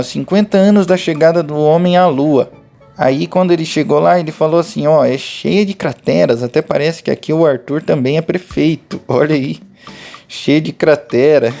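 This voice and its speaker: A Brazilian man talks a class of children through a remote lesson, patient and methodical as he goes step by step. His voice sits a little high yet sounds mellow and gravelly. Faint music plays softly behind him. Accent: Brazilian Portuguese. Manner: patient, explains step by step, addresses pupils directly. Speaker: teacher. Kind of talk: remote lesson walkthrough for schoolchildren.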